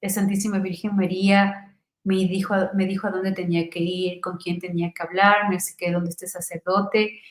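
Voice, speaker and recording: A middle-aged woman from Ecuador giving an emotional personal testimony, fervent, her voice rising to near-shouts and falling to soft murmurs. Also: lowish voice, little pitch movement, normal speed, reverberant, rough recording.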